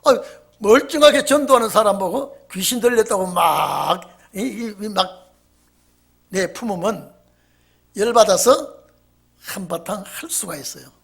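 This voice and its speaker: Animated husky-voiced preacher. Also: male voice, high voice, measured pace, long pauses. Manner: animated, storytelling, dramatic swings in volume. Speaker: pastor. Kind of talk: sermon.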